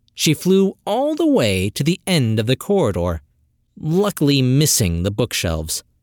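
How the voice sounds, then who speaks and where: A man's medium-pitched, dramatic voice with very wide pitch swings, on a very clean recording with a silent background and a dry, close sound with no echo. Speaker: podcast host and story narrator. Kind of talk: audiobook narration of a fantasy short story, read aloud in third person. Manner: even, measured storyteller's pacing, polished and quietly dramatic.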